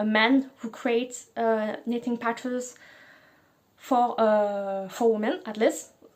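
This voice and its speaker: Speaking with a French accent at a very slow pace, a woman uses a fairly high pitch with ordinary pitch variation. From France. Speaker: knitting podcaster. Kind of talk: casual chat. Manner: halting.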